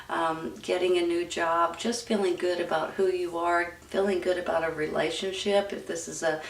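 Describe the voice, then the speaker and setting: A woman's voice: fairly low pitch, vocal fry. A woman giving a casual, conversational tarot reading, speaking informally and directly to her viewers. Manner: informal, addresses viewers as "you guys", seeks agreement. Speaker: tarot reader and host. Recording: roomy echo, distant from the mic.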